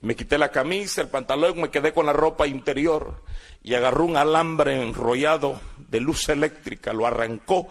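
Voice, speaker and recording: A Guatemalan man in his sixties tells his life story with a gravelly, creaky edge. His voice sits a little high for a man. He acts out the people he quotes with dramatic flair. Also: moderate pace. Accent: Guatemalan Spanish. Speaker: former guerrilla giving testimony. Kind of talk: personal testimony storytelling.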